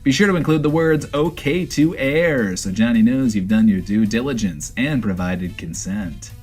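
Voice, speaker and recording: A man's voice: medium pitch, animated, normal speed, darkish tone, husky, soft background music. A man playing a flirty, self-admiring host of a post-apocalyptic radio show, theatrical and rambling, in a comedic audio drama. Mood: smug, flirty.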